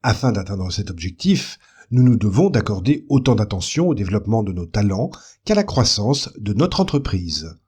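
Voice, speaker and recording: Male e-learning narrator, animated intonation, slightly husky voice, calm, explanatory, scripted corporate delivery. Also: medium pitch.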